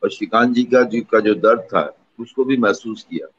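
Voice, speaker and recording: A middle-aged man speaking as a panelist in a debate, talking quickly and piling up one example after another. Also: on the low side, slightly rough. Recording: muffled lo-fi audio.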